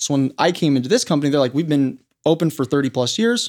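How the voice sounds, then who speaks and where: A man's normal speaking voice, fairly high in pitch with ordinary pitch variation, on a very clean recording with a silent background. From San Diego, California. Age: 30s. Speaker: home inspector. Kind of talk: casual interview chat.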